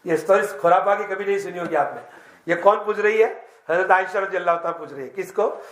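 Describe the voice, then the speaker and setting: A very high-pitched man gives a mosque lesson, acting out the story in the first person. He keeps stopping to quiz his listeners. The sound rings around an echoey mosque hall. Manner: lively storytelling, quizzes the audience; tells the tale in the first person. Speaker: Islamic teacher.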